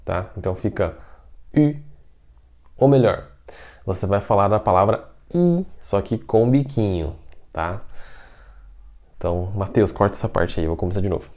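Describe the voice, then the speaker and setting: A man's voice: fairly low pitch, animated, moderate pace, a little mellow. A man with a Brazilian Portuguese accent teaching an online Mandarin lesson, patiently repeating words and checking in with his students all the time.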